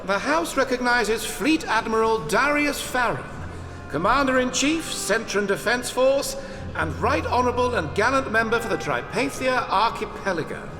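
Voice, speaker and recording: Parliament Speaker, high register, stern, formal, commanding, echoing hall, audio drama. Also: male voice, animated, normal speed. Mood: ceremonious. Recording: echoey long-reverb hall, music behind.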